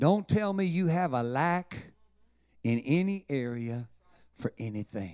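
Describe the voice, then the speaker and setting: This man's pitch swings very widely as he talks. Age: 60s. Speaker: preacher. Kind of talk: sermon. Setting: church service with congregation.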